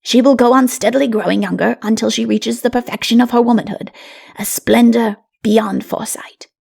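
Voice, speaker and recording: A woman's voice: fairly high pitch, steady tone, a little fast, vocal fry, a little mellow, husky, exaggerated voice. A woman voicing a solemn, patient, fatherly old patriarch in a fantasy audiobook, with grave, assured pronouncements. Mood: grave, reassuring.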